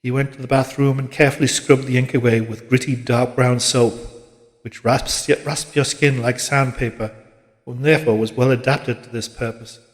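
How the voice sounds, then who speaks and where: A man reading literary fiction as an audiobook narrator, in a measured, dramatic manner. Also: mid-range voice, fairly even intonation. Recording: long reverberant hall-like echo.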